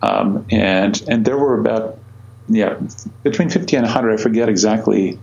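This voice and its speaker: A man's voice: lowish voice, normal speed, creaky, darkish tone, highs cut off. A man in his forties from Croatia, answering interview questions about his career in a hesitant way, with many fillers and restarts. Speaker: astronomer guest.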